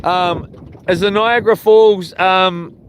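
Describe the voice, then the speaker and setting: A man's voice: high voice, fairly even intonation, slow pace. A man with a broad New Zealand accent, chatting casually and rambling along as he hosts a fishing livestream from a boat. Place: outdoors on a small boat. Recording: clear outdoor boat and water noise.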